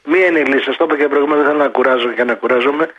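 A man's voice: mid-range voice, a bit bright, husky. A man calling a sports radio show, ranting heatedly and repeating his points. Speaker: caller. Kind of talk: casual call-in chat. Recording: muffled phone line.

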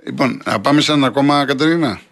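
A man hosting a sports phone-in, calming heated callers and cutting in to move the show along. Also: medium pitch. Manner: soothing, interrupts to move on. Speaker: sports radio host. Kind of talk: moderating a phone-in.

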